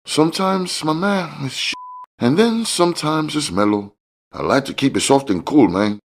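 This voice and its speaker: Audiobook role, acted by a male reader: fat Mexican street dealer, smooth-talking, slangy, cocky, raised pitch with lively swings. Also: normal speed, slight background noise. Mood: laid-back, sly. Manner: slangy street talk sprinkled with Spanish. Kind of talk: audiobook character dialogue.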